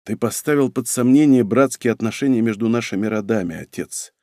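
A man's voice: mid-range voice, animated, unhurried, a little mellow, no room sound. A man playing a young prince worn down by his father, answering in a tired, clipped voice. The sound is dry and close, like a narrated book. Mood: weary. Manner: tired, speaking through clenched teeth. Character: weary young male prince, resentful son.

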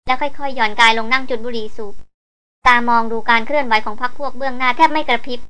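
A woman narrating a novel in a high, bright voice that sits well above most women's. She moves through the text at a fast clip, with an even, steady storytelling read. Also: dull audio. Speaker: audiobook reader. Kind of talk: scripted narration of an adventure novel.

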